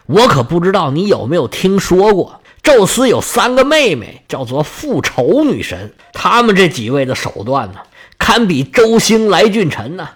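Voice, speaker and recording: A man's voice: high-pitched, very animated, normal speed, breathy edge, exaggerated voice. A man voicing a sly female messenger goddess who delivers messages formally and teases with mock politeness. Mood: teasing. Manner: mocking, sly, formal then teasing.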